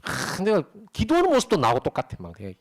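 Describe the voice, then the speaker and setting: Here the same kind of sermon comes from a middle-aged man whose voice sits on the high side and who talks fast. He's animated and conversational, often asking his listeners rhetorical questions.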